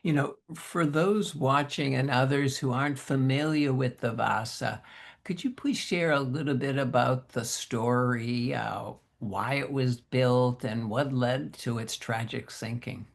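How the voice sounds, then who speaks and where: A man with a gravelly, fry-edged voice hosts an interview program. He reads his introduction and questions in a formal, courteous and deliberate way. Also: medium pitch. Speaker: interview host.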